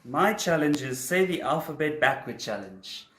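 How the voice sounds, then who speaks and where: Relaxed man in an echoey room. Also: fairly high pitch, normal speed, very noisy. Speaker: church crew member. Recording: echoey room with faint clicks.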